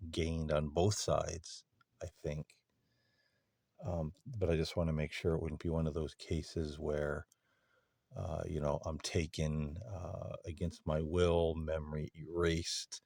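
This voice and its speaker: A man hosting a paranormal session, putting questions to unseen beings in a halting, deliberate way with long pauses. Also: rumbling low, gravelly, a little mellow, dry recording, studio quality. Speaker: host of a paranormal contact session.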